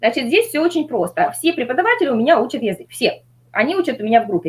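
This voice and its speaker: The speech runs at a very fast pace with very wide pitch swings. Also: woman. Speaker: school network head, conference speaker. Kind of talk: conference presentation. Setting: video call. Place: home room. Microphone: webcam.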